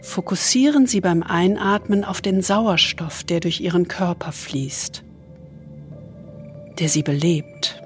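A woman leads a guided meditation in a soft, soothing spa manner, leaving long pauses and trailing into breathiness. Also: fairly low pitch, soft background music. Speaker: host guiding a relaxation exercise.

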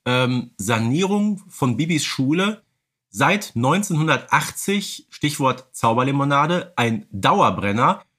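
Male podcast co-host, medium pitch, casual and wryly humorous. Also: big pitch swings, takes it slowly, pushed and bright, breathy edge. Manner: humorous, tongue-in-cheek.

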